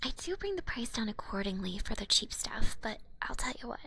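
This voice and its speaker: A woman playing a cute, sly female goblin potion seller in an ASMR roleplay, smooth-talking and teasing in a soft, half-whispered voice. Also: a little high, big pitch swings, brisk, heavily acted. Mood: slick, persuasive. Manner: smooth-talking, teasing, casual haggler with gentle threats. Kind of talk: ASMR roleplay, hushed and close.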